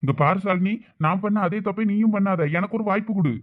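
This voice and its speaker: A woman's voice: mid-range voice, fast, lightly acted. A woman playing an apologetic young husband with a Thoothukudi Tamil accent; mid voice, dull lo-fi sound. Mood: pleading. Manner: pleading, apologetic. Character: remorseful young husband begging forgiveness.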